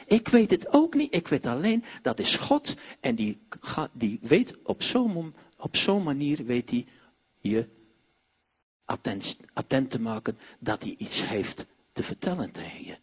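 A man preaching a sermon, swinging between hushed storytelling and loud commanding proclamations. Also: sits high, slightly rough.

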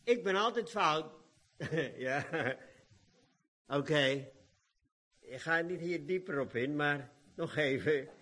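A man preaching a lively sermon, acting out the quoted dialogue of the gospel scenes and often laughing. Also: on the high side, slow, long pauses.

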